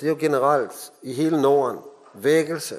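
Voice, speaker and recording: A man at a fairly slow pace. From Denmark. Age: 40s. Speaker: preacher. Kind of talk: sermon.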